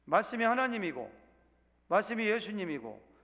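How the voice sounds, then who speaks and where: A man's voice: sits high, sing-song, moderate pace, a bit bright. A male pastor giving a Sunday sermon in a church sanctuary, speaking conversationally and putting questions to the congregation. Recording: reverberant church hall.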